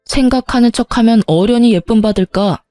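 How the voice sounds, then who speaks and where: A woman's voice: fairly high pitch, brisk, warm tone, no echo, faint music behind, close to an everyday voice. A woman voicing a stubborn, defensive husband who argues indignantly.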